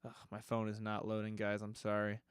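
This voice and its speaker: A man's voice: fairly low pitch, monotone, a little fast, clear, resonant tone, no echo, studio quality. Stuffy-nosed man, casual and rambling. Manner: loose and rambling, with frequent self-corrections. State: slightly stuffy nose. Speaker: podcast host. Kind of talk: casual solo podcast answering listener questions.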